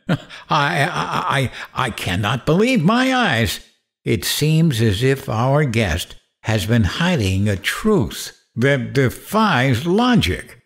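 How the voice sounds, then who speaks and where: An actor playing a frightened radio host, telling a suspenseful first-person horror story in a theatrical, deliberate way. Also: male voice, mid-range voice, heavily acted. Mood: stunned, stammering. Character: frightened male late-night radio host recounting a monster encounter.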